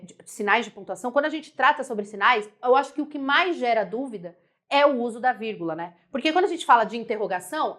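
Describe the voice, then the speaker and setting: Lively Brazilian woman teaching grammar. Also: on the high side. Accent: Brazilian Portuguese. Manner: lively, repeats phrases, checks in with viewers. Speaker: Portuguese teacher. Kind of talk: live online grammar lesson.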